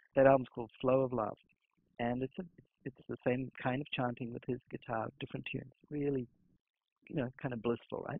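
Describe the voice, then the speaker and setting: Medium-pitched male speech in a New Zealand accent, fairly quick and fairly even, broken by long, frequent pauses. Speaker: yoga monk and meditation instructor. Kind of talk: interview answer. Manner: casual storytelling.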